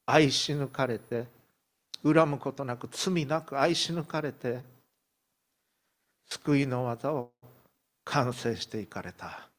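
A man's voice: medium pitch, takes it slowly, long pauses. A middle-aged male pastor preaching a sermon, retelling a story vividly and with emphasis.

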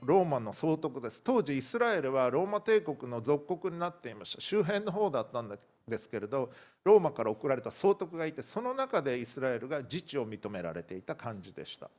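Male pastor telling a story in a sermon. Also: medium pitch. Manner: vivid storytelling, acting out quoted voices.

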